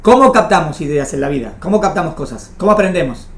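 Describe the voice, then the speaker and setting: A woman religion teacher with an Argentine Spanish accent speaks in a low, animated voice and talks fast. In an interactive lecture to a small class, she repeats phrases and checks understanding with frequent questions, in a didactic way.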